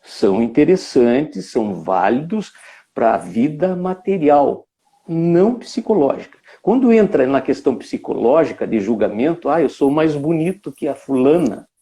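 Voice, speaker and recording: Animated mellow-voiced man lecturing. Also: on the high side, unhurried. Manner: musing, many tag questions and restarts, uneven pace. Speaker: speaker giving a live talk. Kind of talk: reflective spoken lecture.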